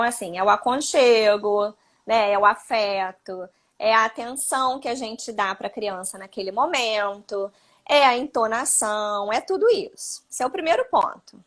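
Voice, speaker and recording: A woman's voice: sits high, fairly bright tone. A Brazilian Portuguese-speaking woman, a psychologist, explaining parenting advice on a live stream, often adding tag questions. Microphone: phone or video call.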